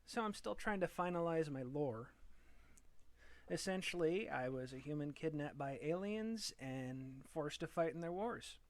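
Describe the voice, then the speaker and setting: A man's voice: a little high, unhurried. A man chatting casually on a live stream, thinking aloud and chuckling as he tinkers with his setup at home. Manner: relaxed, chuckling, thinks aloud while fiddling with software. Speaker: vTuber streamer. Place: home room.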